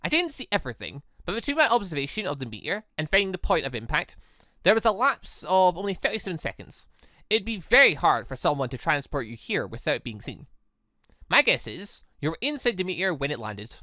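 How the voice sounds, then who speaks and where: A cheerful young robot girl from a visual novel, as a narrator acts her out, bright and bouncy in pitch. She is polite, precise and formal, and stays matter-of-fact. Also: sing-song, fairly quick, no echo. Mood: helpful, precise.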